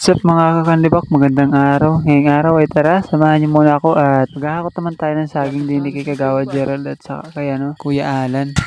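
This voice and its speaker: The pace is fairly quick. There are hardly any pauses. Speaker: vlogger. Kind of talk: casual vlog narration.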